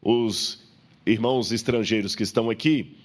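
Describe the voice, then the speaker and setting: A man's voice: lowish voice, steady tone, normal speed. A Brazilian man preaching in an expository, lecture-like style, explaining history to a congregation and checking in with rhetorical questions. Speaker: preacher teaching Bible history.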